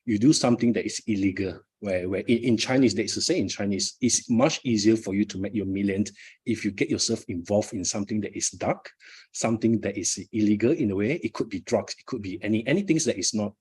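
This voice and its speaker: A man's voice: on the low side, fast talker, darkish tone, breathy edge. A middle-aged Malaysian man, a Malay native speaker, giving a live motivational talk at his book launch with frequent fillers and repeated words.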